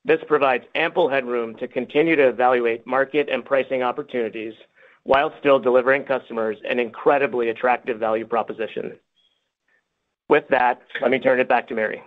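A man's voice: medium pitch, fairly even intonation, a little fast. A man, a company finance executive, reading a scripted financial report on a conference call. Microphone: conference call line. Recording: tinny, phone-like conference call audio.

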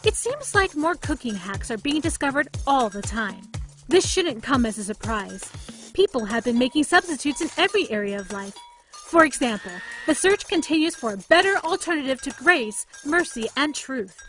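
A woman delivers scripted narration in a high voice. Soft music plays underneath her reading. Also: sing-song, normal speed.

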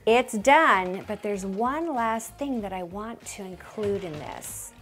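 A woman's voice: medium pitch, slow pace, a bit bright, faint music behind. A woman in her fifties giving a chatty, self-joking tour of her newly organized closet, talking straight to the camera. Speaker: home organizing vlogger. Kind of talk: casual chatty home tour. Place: bedroom closet in a home, indoors.

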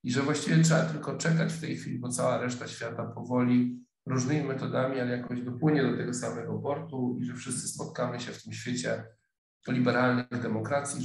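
A man's voice: mid-range voice, fairly even intonation, fairly quick. Hesitant, thoughtful man in an echoey room. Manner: thoughtful, hesitant, many fillers and restarts. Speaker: sociologist lecturer. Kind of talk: online lecture. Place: office room, indoors. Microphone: webcam video call.

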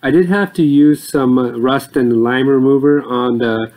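A man's voice: mid-range voice, measured pace, darkish tone, poor audio. A man explaining a motor repair over his footage in a plain, explanatory way, with occasional fillers. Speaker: repair channel host.

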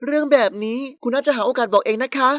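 A woman's voice: sits high, fast talker, fairly bright tone, dry recording, pitched above the performer's own voice. A woman voicing a clever young secretary who speaks politely but keeps a guarded, cool distance.

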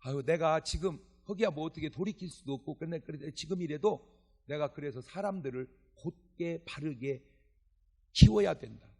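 A man's voice: fairly high pitch, normal speed, creaky, breathy edge. A male pastor preaching a sermon at a church revival service, telling jokey stories and acting out dialogue. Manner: animated, joking storytelling with acted dialogue.

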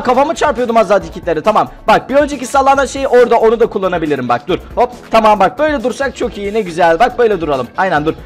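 A young man giving excitable Let's Play commentary, chatty and prone to frustrated outbursts. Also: high voice. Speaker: gaming YouTuber.

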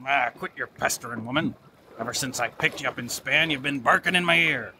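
A man playing a cantankerous, theatrical riverboat captain with a gravelly voice, loud and indignant, in an audio drama. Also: mid-range voice, a little fast, background noise, close to an everyday voice. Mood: exasperated.

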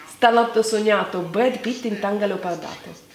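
Chatting indoors in her home living room with a staircase, a young adult woman plays a lip-reading game as video host, casual and full of exclamations. She speaks at normal speed in a mid-range voice, and the room is echoey with background noise.

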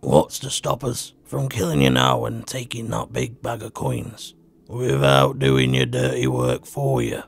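Man as big menacing bandit chief, deep, slow growl, storybook. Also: animated, vocal fry, husky, heavily acted. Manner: snarling through gritted teeth. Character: big shaven-headed male gang leader, menacing.

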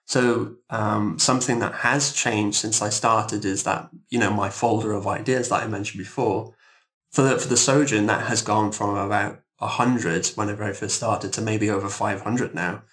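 A man chatting casually as an interview guest, halting and modest as he thinks aloud. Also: fairly low pitch, steady tone, fairly bright tone. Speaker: composer guest.

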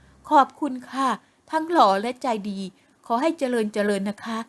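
A woman voicing a humble, flattering older female masseuse in an audio novel, fawning and polite. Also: sits high, normal speed, voice pushed up. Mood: grateful.

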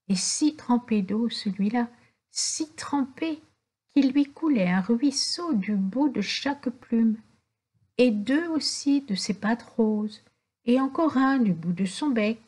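A woman reads a children's tale aloud in a slow, gentle storytelling cadence. Her voice is warm and mellow, with a faint breathy huskiness. She lets every phrase settle before moving on. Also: on the high side. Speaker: audiobook reader.

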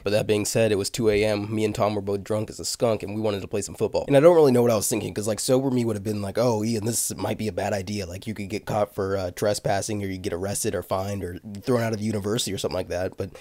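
A man's voice: on the low side, a little mellow, no room sound. A young man with a cold and a slightly nasal voice, telling a joking, crude story over gameplay. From United States. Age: young adult. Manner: joking, crude, self-mocking asides. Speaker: gaming commentary host.

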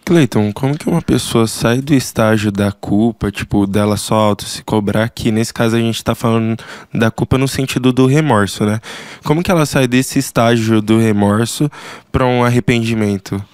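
A man's voice: medium pitch, moderate pace, a little mellow, smooth, no echo, clean studio sound. A man with a Brazilian Portuguese accent hosting a podcast, asking questions in a hesitant way as he looks for words. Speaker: podcast host. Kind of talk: interview questions.

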